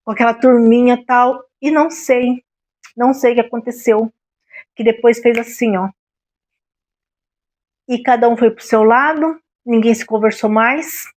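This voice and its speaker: A middle-aged woman with a Brazilian accent speaks in a high voice. She tells a personal story on her vlog, confiding and often turning to her listeners to make sure they are following. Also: steady tone, measured pace, pauses often, darkish tone. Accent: Brazilian Portuguese. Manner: confiding, repeatedly checks in with the listener. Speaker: vlogger.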